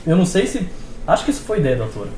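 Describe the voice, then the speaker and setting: Fast-talking man over background chatter. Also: fairly high pitch, very animated. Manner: quick, emphatic, repeats himself. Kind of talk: casual chat. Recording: echoey room with chatter behind.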